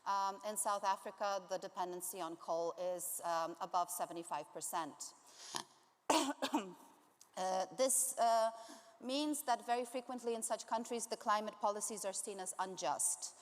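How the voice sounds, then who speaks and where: A woman's voice: mid-range voice, unhurried. A woman from Zambia giving a conference talk as a climate campaigner, speaking hesitantly with many ums and uhs. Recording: long reverb of a large hall.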